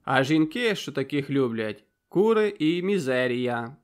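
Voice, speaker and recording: A man's voice: medium pitch, animated, unhurried, natural voice. A man voicing a rowdy, boastful man giving a toast in an audiobook, declaiming boisterously.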